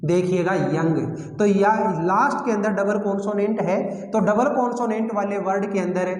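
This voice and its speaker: Male grammar teacher, high voice, quizzes then answers himself, long reverb, roomy classroom sound. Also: moderate pace, a little mellow. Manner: asks questions and answers them himself, repeats key words. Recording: echoey room with long reverb.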